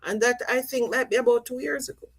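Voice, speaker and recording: A woman's voice: a little high, fairly even intonation, quick pace. A middle-aged woman from Jamaica, chatting casually on a live stream and repeating herself as she reads out viewer comments. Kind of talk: casual chat.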